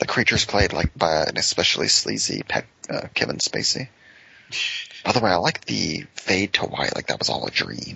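Noticeable background noise sits under a man speaking at a moderate pace. His very deep, low voice swings very widely in pitch. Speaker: podcast co-host. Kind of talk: casual comedic commentary chat. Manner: joking, sarcastic.

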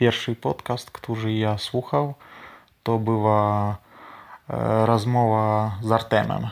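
A man speaks very slowly in a Ukrainian accent, his medium-pitched voice monotone and flat. The recording is very clean, with a silent background. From Ukraine, Donetsk region. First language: Ukrainian (speaking Polish). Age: 30s. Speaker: language learner. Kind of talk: recorded message.

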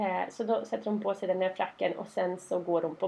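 The speaker is a woman at a moderate pace. Her pitch is medium. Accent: non-native. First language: not Swedish (speaking Swedish). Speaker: journalist and journalism teacher. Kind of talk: casual chat.

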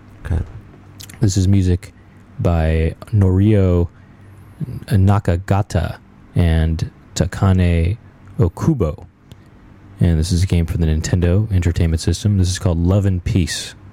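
A man with a very deep, low pitch talks at a fairly slow pace with long, frequent pauses. His intonation is fairly even, and there is noticeable background noise. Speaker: podcast host. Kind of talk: casual chat. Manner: casual.

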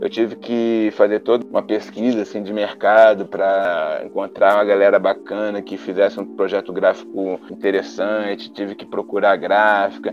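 A man at a moderate pace with big swings in loudness, hardly any pauses, and music in the background. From Brazil, not the Northeast. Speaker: writer and journalist. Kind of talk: casual interview chat. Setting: remote online call.

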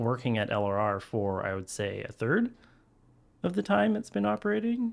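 The recording is very clean with a silent background, and a man talks at a moderate speed. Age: 30s. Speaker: video editor. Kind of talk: casual chat.

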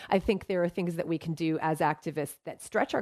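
A woman's fairly low voice against a quiet background. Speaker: vegan author and educator. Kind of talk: interview, conversational. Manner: confident, joyful.

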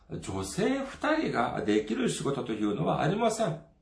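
Very wide pitch swings from a male voice, moderately paced, with noticeable noise in the background. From South Korea, Seoul. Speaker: pastor. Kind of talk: sermon. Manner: formal.

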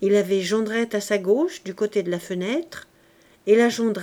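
With fairly even intonation, the speaker reads aloud in a natural voice.

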